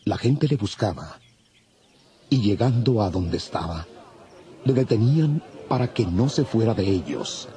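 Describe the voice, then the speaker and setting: A man narrating a dramatized audio Bible in a measured, formal way. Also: lowish voice, expressive, mellow.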